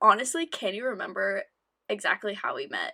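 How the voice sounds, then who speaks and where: A woman with an American accent, fairly high pitch, lively intonation, a bright, sharp tone, moderate pace, and a dry, close sound with no echo. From Seattle area, US Pacific Northwest. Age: 20s. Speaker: podcast co-host, university student. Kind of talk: casual chat.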